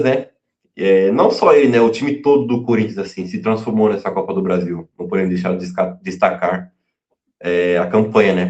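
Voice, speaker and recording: A man giving casual pre-match football talk, halting, full of fillers and restarts. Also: deep voice, a little mellow. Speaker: fan channel pundit. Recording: echoey room, dull lo-fi sound.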